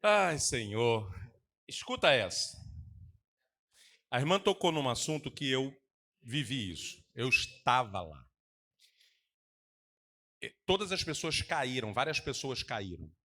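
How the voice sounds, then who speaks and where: A man preaching as pastor with a Brazilian Portuguese accent, animated and mocking in his asides. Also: medium pitch, slow pace, pauses often. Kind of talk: sermon with congregation exchange.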